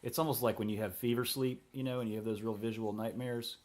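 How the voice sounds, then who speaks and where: Southern guy w/ folksy old gentleman drawl, medium pitch, joking around while commenting on an art video. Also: steady tone, quick pace. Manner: wry, joking. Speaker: guest voice-over commentator.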